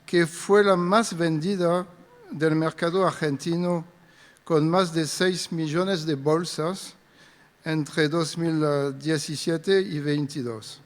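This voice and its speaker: Slow-talking man with a French accent. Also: on the high side, steady tone. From France. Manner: careful, hesitant speech in a second language. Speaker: invited speaker, wheat breeder. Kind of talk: conference presentation. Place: conference hall. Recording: long reverb of a large hall.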